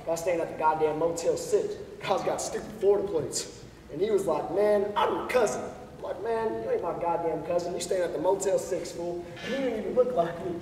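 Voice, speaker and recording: A man's voice: sits high, a little fast, warm tone, a little hiss or hum, lightly acted. An actor playing a rowdy, drunk rural man who taunts and brags crudely. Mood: boastful. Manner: taunting, crude, swaggering storyteller. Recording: echoey hall, far from the mic.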